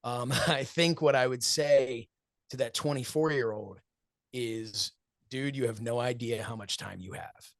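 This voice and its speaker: A man in his forties, a wrestling commentator and show host, appears as an interview guest, giving earnest, reflective answers in a steady, mid-range voice at an unhurried pace. He tells stories, acts out what friends said, and laughs often. The recording is dry and studio quality.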